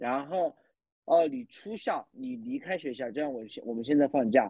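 Lively intonation marks this man's speech, which moves at a moderate pace. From Henan, China. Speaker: student, returning guest. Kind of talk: casual chat. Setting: remote call.

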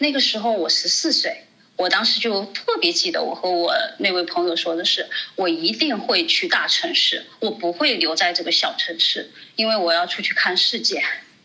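Over noticeable background noise, a woman talks at a moderate pace in a fairly high pitch with very wide swings. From China, Jiangxi. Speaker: businesswoman in foreign trade. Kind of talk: interview, life story.

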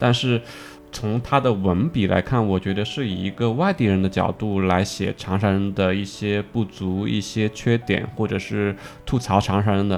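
A man's fairly low voice over music in the background, at a moderate pace with fairly even intonation. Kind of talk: literary essay reading. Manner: conversational and warm when commenting, chuckling at the essay's barbs.

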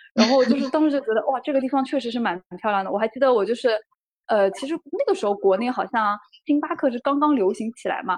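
A woman's high voice with lively intonation at a very fast pace. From China. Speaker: podcast co-host. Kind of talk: casual chat.

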